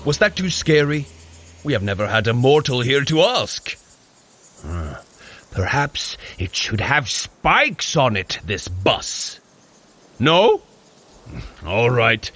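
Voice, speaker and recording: An actor playing a boisterous, cheerful Norse warrior god in an audio drama, with theatrical, grand old-fashioned phrasing. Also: male voice, mid-range voice, a bit bright, breathy edge, exaggerated voice.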